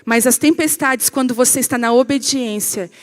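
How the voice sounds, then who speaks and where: A woman pastor with a Brazilian Portuguese accent delivers a lively sermon in a high voice. She tells stories and keeps questioning her congregation. A long reverb trails her words in a church hall. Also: normal speed. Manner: animated storytelling, addresses the congregation directly.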